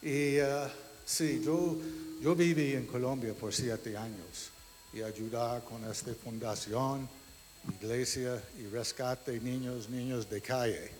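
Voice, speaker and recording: A man giving a testimony in a church hall, his speech slow and unhurried. He gropes for words in imperfect Spanish, filling gaps with "eh", while a long reverb trails behind him. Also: medium pitch, steady tone, a little mellow. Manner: slow, searching for Spanish words, many fillers. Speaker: guest church member. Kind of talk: halting testimony in a second language. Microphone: handheld microphone.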